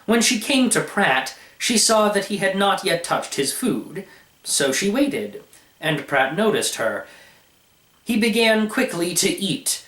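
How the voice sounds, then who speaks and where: Man, storybook narrator, expressive, higher-pitched, very varied intonation, echoey room recording. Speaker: narrator reading a short story.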